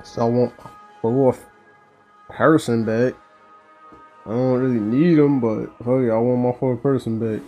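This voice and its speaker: A man commentates casually on a video game with slang and swearing. His voice is dark and relaxed, slightly muffled, with game music faintly underneath. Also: mid-range voice, moderate pace, long pauses. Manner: profane, slangy. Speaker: gamer commentator. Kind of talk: casual let's play commentary.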